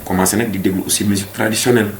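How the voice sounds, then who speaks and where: A man's voice: fairly low pitch, fairly even intonation, very fast, vocal fry. A man, a singer, talks earnestly as an interview guest, switching between French and Wolof. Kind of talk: casual interview chat. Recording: echoey room with faint noise.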